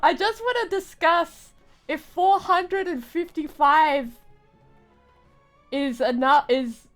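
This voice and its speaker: A woman's voice: sits high, slow pace, a bit bright. A woman chatting casually as she live-streams a video game, rambling and often restarting her phrases. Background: game music.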